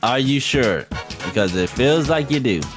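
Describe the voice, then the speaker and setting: A streamer reads out a visual novel in a casual let's-play translation, dropping irreverent comments along the way while game music plays. He has an animated, mid-range voice and a moderate pace.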